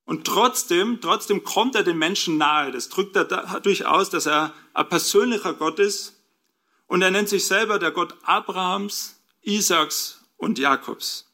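A man's voice: high-pitched, a little slow, pushed and bright. A man preaching a sermon, explaining scripture and asking his listeners rhetorical questions.

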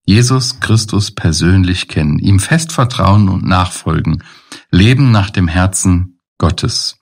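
Man, fairly low voice, podcast host, friendly, affirming, conversational. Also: animated, a little slow, vocal fry. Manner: friendly, affirming with frequent mhm. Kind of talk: casual interview.

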